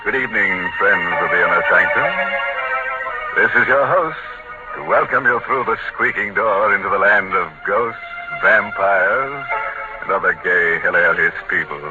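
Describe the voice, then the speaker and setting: A man's voice: sits low, normal speed. A man hosting a 1940s radio horror show, with mock-sinister delivery and macabre jokes. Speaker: host and announcer. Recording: muffled 1940s radio broadcast with music.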